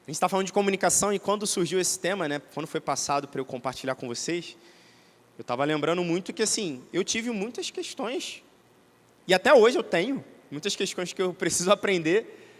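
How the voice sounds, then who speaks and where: Brief: Brazilian man, fairly high voice, chatty seminar teacher, long hall reverb. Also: lively intonation, fairly quick. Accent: Brazilian Portuguese. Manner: conversational and didactic, many tag questions. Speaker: church seminar speaker. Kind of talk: teaching talk to an audience. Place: church hall.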